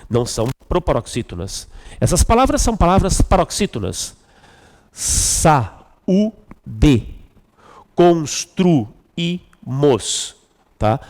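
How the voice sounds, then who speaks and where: A man's voice: mid-range voice, sing-song, a little slow, a little mellow, big-room sound. A male Brazilian Portuguese teacher going through exam questions step by step, often checking in with the students. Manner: explains step by step, asks "tá bom?". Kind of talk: exam review lesson.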